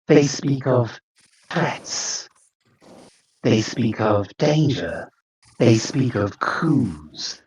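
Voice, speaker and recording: A man voicing a female winged creature who hisses and schemes, speaking slowly and menacingly. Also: medium pitch, darkish tone, rough recording.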